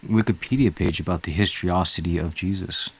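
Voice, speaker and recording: A man's voice: sits low, a little hiss or hum. A man who is not a native English speaker, arguing insistently as a caller in a heated debate, often restarting his sentences. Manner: insistent, provoking, halting restarts.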